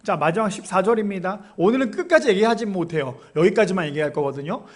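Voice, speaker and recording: Male pastor with a high voice, mid-sermon, asks and answers his own questions. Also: lively intonation, fast.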